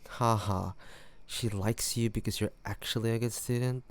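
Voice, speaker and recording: A man's voice: fairly low pitch, steady tone, a little slow. A man acting a cocky young student in an audio roleplay, teasing and mocking an academic rival. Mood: teasing, suspicious. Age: young adult.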